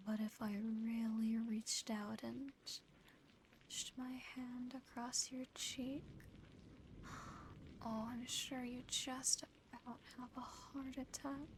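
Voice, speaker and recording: Woman playing a very slow, whispering seductive demoness. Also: high voice, level tone, a little hiss or hum, poor audio. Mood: wistful, teasing. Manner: slow, breathy whispering, teasing, lingering pauses. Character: seductive, possessive female sleep paralysis demon, teasing and lonely. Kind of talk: whispered ASMR roleplay. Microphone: close ASMR microphone.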